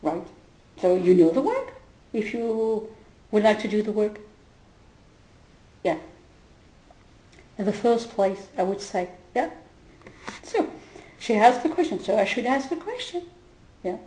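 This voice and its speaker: Halting, laughing woman in an echoey room. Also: medium pitch, animated, warm tone. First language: not English. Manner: halting, many fillers and restarts, often bursts into laughter. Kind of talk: casual spoken retelling. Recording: roomy echo.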